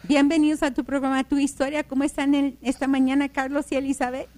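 A woman's voice: high voice, flat delivery, quick pace, darkish tone. A woman from El Paso, Texas, hosting a Christian radio talk show in a fervent, preachy, upbeat way. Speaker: radio host.

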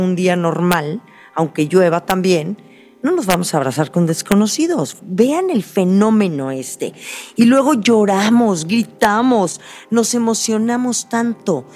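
A woman's voice: mid-range voice, a little slow, darkish tone, faint music behind. A Mexican woman hosting a radio show, talking in a chatty, rambling way, correcting herself as she goes and stressing her points with feeling. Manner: emphatic, heartfelt. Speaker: radio host. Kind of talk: casual radio monologue.

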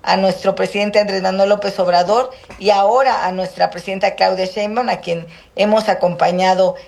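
Measured woman politician from Guerrero. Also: medium pitch, fairly even intonation, vocal fry, a little mellow. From Guerrero, Mexico. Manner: measured, halting, with many fillers. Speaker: politician, senator.

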